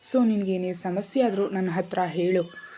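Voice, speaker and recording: A woman voicing a tender, caring young husband in a storybook reading, speaking gently and coaxingly. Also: on the low side, measured pace, a little hiss or hum, close to an everyday voice.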